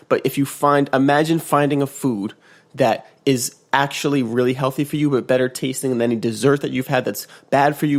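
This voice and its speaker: A man hosting a casual motivational podcast, just woken up and congested, rambling with restarts and acting out quotes in a higher voice. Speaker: podcast host. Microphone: podcast mic.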